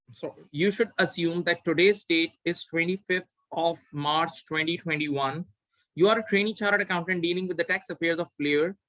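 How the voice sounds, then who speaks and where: A male tutor with a somewhat high-pitched voice leads an online exam revision class. He explains in an instructional way and often says a phrase again to drive it home. The sound is dry, with little trace of the room. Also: bright, forceful tone, no room sound, low-quality recording. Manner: repeats phrases for emphasis, instructional. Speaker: accounting tutor.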